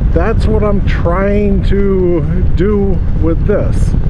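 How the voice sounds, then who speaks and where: Loud background noise runs under a man's speech. The sound is dry, without any echo. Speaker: motorcycle vlogger. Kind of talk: casual vlog chat. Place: motorbike. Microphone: helmet.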